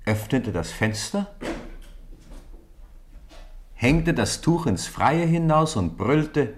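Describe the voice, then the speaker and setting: A man's voice: medium pitch, takes it slowly. A man narrating a children's radio play as a scripted, theatrical storyteller. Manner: theatrical, animated delivery.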